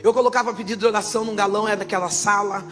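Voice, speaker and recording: A woman pastor giving her testimony in church, her fervent preaching swelling into loud proclaiming. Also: mid-range voice, fairly even intonation, very fast, soft background music.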